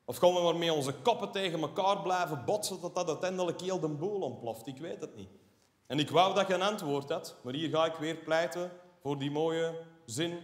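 A Flemish man does stand-up comedy, ranting animatedly with sarcastic asides and tagging his lines with a questioning "hè". His voice is on the high side, at a moderate pace. The live stage gives a roomy hall reverb.

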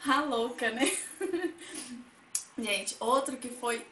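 A woman's voice: sits high, slight background noise. A young woman telling funny personal stories in a casual vlog, often calling out to her viewers. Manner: chatty, addresses viewers as "gente", acts out quotes loudly. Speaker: vlogger. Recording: echoey room, faint ambience.

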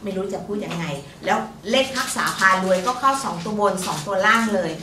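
A woman co-hosting a fortune-telling show chats casually and politely, giving lottery tips and using frequent particles. She is the fortune teller co-host, and her mid-range voice moves a little fast. The room sounds roomy, with a distant mic and faint noise.

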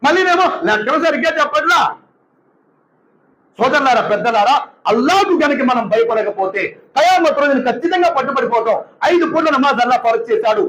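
A male imam gives a sermon in a strikingly high voice. He preaches with energy and acts out the people he describes. The room around him rings with echo. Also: fairly quick. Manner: animated, mimics congregants in asides.

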